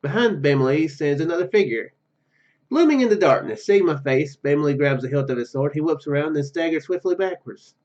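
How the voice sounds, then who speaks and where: A man's voice: fairly high pitch, animated, brisk, a little mellow, highs cut off. A man hosting a gaming video, reading game narration aloud with casual commentary and stumbling over words as he goes. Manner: stumbles and self-corrects while reading.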